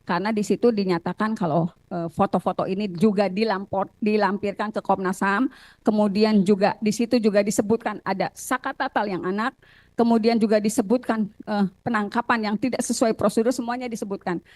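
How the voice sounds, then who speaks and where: An Indonesian woman giving courtroom testimony as a witness and lawyer, recounting details haltingly with repeated phrases. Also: mid-range voice, steady tone, a little mellow, no echo. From Cirebon, Indonesia.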